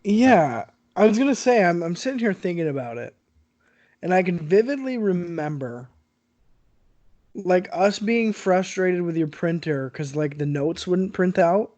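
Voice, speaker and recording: A man's voice: sits high, expressive, a little slow, darkish tone, dry recording, lo-fi sound. A man co-hosting a podcast, chatting casually and animatedly while congested with a sore throat, on his own microphone over an internet call. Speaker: podcast co-host. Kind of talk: casual chat.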